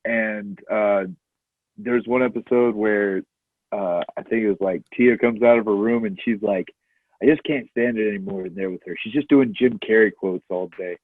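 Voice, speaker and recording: A man's voice: lowish voice, fairly even intonation, normal speed, dry recording. A man co-hosting a movie podcast, laid-back and quoting films in casual chat. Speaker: podcast co-host. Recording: tinny phone-like line.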